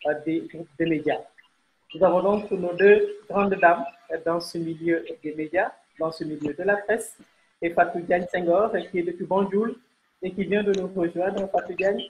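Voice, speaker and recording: A woman's voice: on the low side, a little mellow, highs cut off, slight background noise. A woman presenting a panel interview as host, speaking in a formal, courteous way. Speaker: host and journalist.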